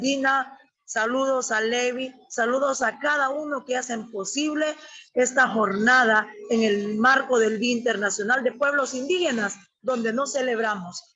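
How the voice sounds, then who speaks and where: A woman's voice: fairly high pitch, sharp tone, slightly rough. A woman from la Mosquitia in Honduras, speaking as an Indigenous organization's representative in a formal, emphatic webinar address full of long lists. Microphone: webinar audio feed. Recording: dull lo-fi webinar audio.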